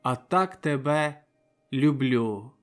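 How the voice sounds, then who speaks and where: A man's voice: mid-range voice, lively intonation, takes it slowly, faint music behind. A man voicing an anguished young man who is forced to leave his beloved, speaking in heavy, broken exclamations. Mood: pained resolve.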